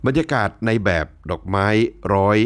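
A man delivering a reflective spoken essay in a measured, wry, unhurried way, politely closing his phrases. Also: fairly low pitch, no echo. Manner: polite, ends phrases with the male particle. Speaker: commentator.

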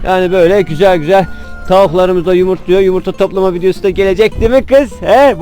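Quick-talking guy with a turkish accent showing his coop on a phone, faint music behind. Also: a little high, a little mellow. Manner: chatty, talks affectionately to his birds. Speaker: poultry vlogger. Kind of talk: casual chat to viewers while tending chickens. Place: backyard chicken coop, in and out of doors.

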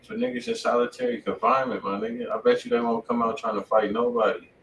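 A man's voice: mid-range voice, fast, gravelly, background noise. A man, casually chatting as host of a music review livestream. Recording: roomy, distant mic, faint music behind.

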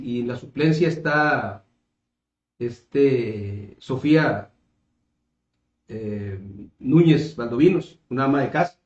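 A political candidate in his fifties, from the coast of Caborca in Sonora, Mexico, speaks with a medium-pitched voice and a northern Mexican accent. Seated at a table in a small indoor room, he answers interview questions conversationally, often hesitating and repeating words as he searches for the next. The recording has a roomy echo and a slightly dull sound.

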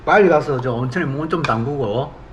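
A man's voice: mid-range voice, fairly quick, lo-fi sound, slight background noise. A middle-aged man from South Korea hosting a casual eating show, talking expressively as he savors his food, at times with his mouth full. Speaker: mukbang host.

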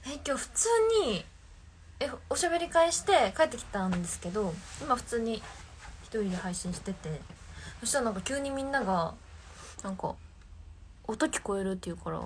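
A woman's voice: mid-range voice, lively intonation, normal speed, pauses often, slight background noise. A young woman, chatting casually on a live stream alone in her room and reacting to viewer comments. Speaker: idol livestreamer.

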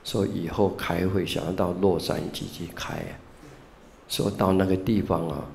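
A man's voice: deep voice, fairly even intonation, vocal fry, a little mellow, a little hiss or hum. A man, a Buddhist monk giving a classroom lecture, telling stories and stretching out filler particles. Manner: storytelling, drawn-out filler particles.

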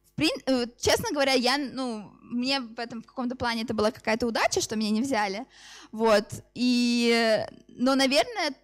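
A young woman with a fairly high voice answers questions after a presentation. She speaks informally and haltingly, starting sentences over as she explains. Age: 20s. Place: open event hall with seated audience.

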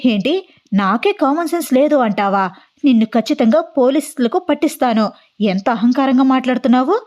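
An arrogant young man barks accusations in a quick, bossy run of questions, as a woman narrator puts him on. The voice sits fairly high and the recording sounds dull and lo-fi. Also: a little mellow, natural voice. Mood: indignant. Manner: bossy, rapid-fire interrogating.

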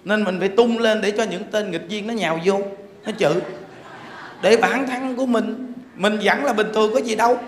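A male monk giving a dharma talk in a lively, joking way, acting out quarrels with bursts of laughter. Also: sits high, moderate pace. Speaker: monk teacher. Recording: echoey hall with faint background noise.

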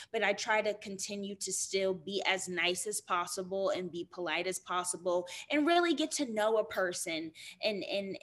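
A young woman speaks as a guest over a video call from a small indoor room. She tells her stories in an animated, quick way, her pitch sitting in a middle range, and fills her sentences with ums and restarts. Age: young adult. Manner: animated, quick storytelling with fillers and repeats. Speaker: guest actor.

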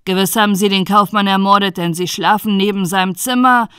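A woman voicing a scheming male innkeeper who speaks slowly and insinuatingly. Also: medium pitch, steady tone, fairly bright tone, clean tone, no echo, clean studio sound, natural voice. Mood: accusing.

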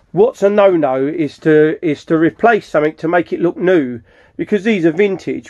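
A middle-aged British man talks casually through a restoration job in his workshop. His voice sits slightly high, and he rambles informally, rephrasing as he goes. The handheld recording sounds a bit dull and lo-fi. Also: darkish tone. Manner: informal, rambling, self-correcting. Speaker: furniture restorer presenting his project. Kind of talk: casual hands-on video walkthrough. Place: cluttered indoor wooden workshop. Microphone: handheld camera mic, speaker behind camera.

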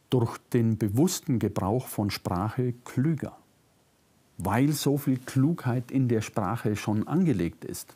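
An older man with a faint Bavarian-Swabian German accent, reading a prepared lecture as a philosopher, measured and reflective, lifting his voice on key words. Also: medium pitch, mellow. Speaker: philosopher giving a public lecture. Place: lecture room, seated at a desk. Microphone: lapel mic.

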